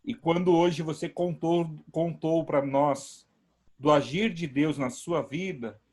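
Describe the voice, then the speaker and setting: A man's voice: on the high side, slow pace, a little mellow. A man, a pastor hosting an online service from home, speaking emphatically and praising God. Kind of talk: warm preaching talk.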